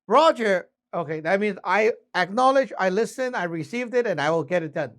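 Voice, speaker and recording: A man's voice: high-pitched, lively intonation, moderate pace, a bit bright. A man teaching in a casual, conversational way, explaining step by step and often checking that listeners follow. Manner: conversational, frequent check-ins, spells things out step by step. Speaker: instructor teaching radio communication basics. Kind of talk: casual spoken lesson with acted-out example exchanges.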